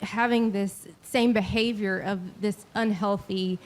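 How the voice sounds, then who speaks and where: A woman's voice: mid-range voice, steady tone, a little slow. A woman in the audience sharing an earnest, heartfelt reflection. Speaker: audience member. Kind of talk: spoken comment from the audience.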